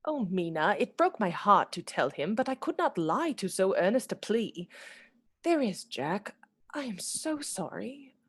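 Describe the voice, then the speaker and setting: A woman's voice: mid-range voice, sing-song, unhurried, husky. Chatty, romantic young Victorian lady. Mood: apologetic. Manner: girlish, confiding, dramatic. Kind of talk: radio play acting and storytelling.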